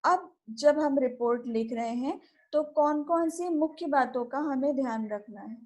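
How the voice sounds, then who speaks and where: An Indian woman teaching English at a university, explaining in Hindi and mixing in English terms, and reading example sentences out slowly. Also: high voice, a little mellow. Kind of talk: recorded classroom lecture.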